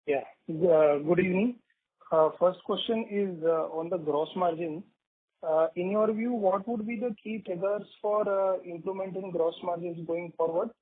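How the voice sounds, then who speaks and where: A male analyst with an Indian accent puts questions on an investor call. His voice sits slightly high and comes through a thin telephone line, with a dry sound. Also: normal speed, slightly rough, no echo. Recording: dry, narrow phone line.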